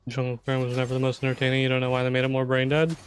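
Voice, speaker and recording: A young man giving chatty, offhand commentary while he plays a game, swearing now and then and clearing a throat that is going hoarse. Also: mid-range voice, monotone, very fast. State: losing his voice, clearing throat. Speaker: streamer. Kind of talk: casual gameplay commentary.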